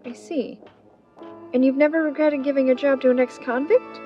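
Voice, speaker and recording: A woman's voice: sits high, steady tone, normal speed, lo-fi sound, faint music behind, lightly acted. A woman playing an inquisitive society sweetheart who frets over her hero, in a 1930s-style radio drama. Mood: bright, curious.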